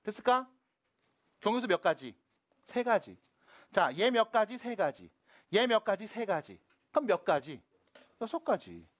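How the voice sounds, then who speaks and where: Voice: medium pitch, very animated. A math teacher giving a classroom lecture, switching between casual and polite speech and constantly asking the students whether they follow. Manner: checks in constantly with quick casual questions.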